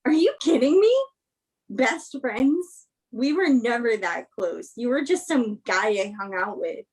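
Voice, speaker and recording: Woman playing guarded young woman, slightly high, raspy edge, confrontational, sarcastic, stage drama reading. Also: expressive, unhurried, rough recording. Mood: angry, defensive. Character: Emma, bitter, guarded religious young woman. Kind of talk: virtual staged play reading.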